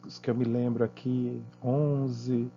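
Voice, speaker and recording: A Brazilian man teaching math, walking students through exercises patiently and checking in with quick tag questions. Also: mid-range voice, little pitch movement, warm tone, dull audio, soft background music. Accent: Brazilian Portuguese.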